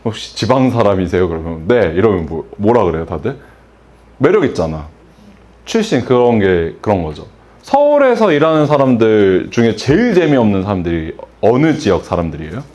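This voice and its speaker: Animated man lecturing a salon workshop. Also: on the low side, moderate pace. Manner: animated, asks the audience questions, acts out customer exchanges. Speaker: salon business instructor.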